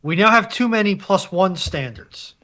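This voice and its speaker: A man's voice: sits high, lively intonation, moderate pace, pushed and bright. A man in casual banter as a live stream panelist, with a wry, joking way of talking.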